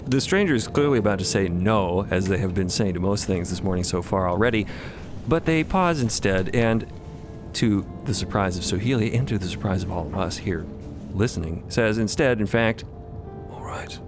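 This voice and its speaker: A man narrating audio fiction in a wry, deliberate, semi-improvised storytelling manner. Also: on the low side, expressive, music in the background.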